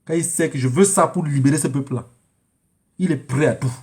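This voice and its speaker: Male online commentator, notably high voice, emphatic and repetitive, haranguing his audience in informal monologue. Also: fairly quick, darkish tone. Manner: emphatic, haranguing, repeats phrases for effect.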